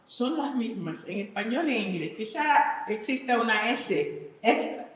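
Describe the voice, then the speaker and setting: A woman's voice: on the high side, expressive, a little slow. A woman giving a live conference talk, teaching English vocabulary, reading word lists aloud and putting questions to the audience. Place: large conference hall. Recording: echoey hall from far off.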